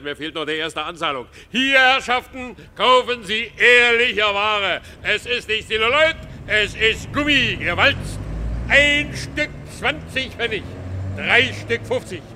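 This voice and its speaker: An actor playing a brash, wisecracking street hawker, declaiming a sales patter in a radio drama. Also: male voice, sits high, bright, forceful tone. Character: brash, wisecracking Berlin street hawker selling cheap wares. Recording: long reverb, faint street traffic noise.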